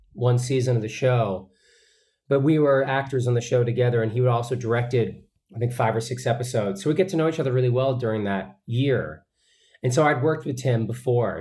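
An actor, a man with a medium-pitched, dark voice, answers interview questions as a guest. He's earnest and chatty, full of fillers and restarts.

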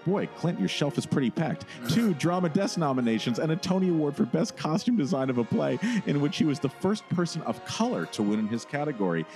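A man's voice: a little high, sing-song, fairly quick, few pauses, a little mellow, soft background music. A man co-hosting a casual podcast interview, playful and fond of puns. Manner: playful, jokey, punning. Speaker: podcast co-host.

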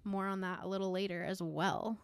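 A woman's voice: medium pitch, steady tone, fairly quick, clear, resonant tone, no echo. A woman co-hosting a sports podcast in a casual, conversational style. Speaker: podcast co-host. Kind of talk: casual fantasy football podcast chat.

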